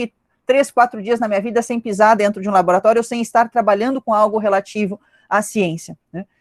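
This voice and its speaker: A woman with a slight gaúcho accent, fairly high-pitched and fairly quick, in a dry, close sound with no echo. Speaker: physiology professor and researcher. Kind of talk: panel talk. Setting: video call. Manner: hesitant, many fillers.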